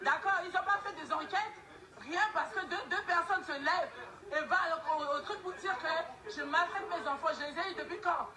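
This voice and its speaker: A woman's voice: very high voice, normal speed, a crowd in the background. A distressed woman, a mother, pleading insistently in a heated argument inside a home. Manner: pleading, insistent, repeats herself. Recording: echoey room, loud voices around.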